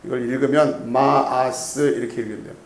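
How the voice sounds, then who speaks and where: A pastor with a somewhat high, slightly mellow voice preaches an animated expository sermon at normal speed, with a roomy sound from the church sanctuary. His style is conversational, featuring repeated key words and frequent questions to the congregation.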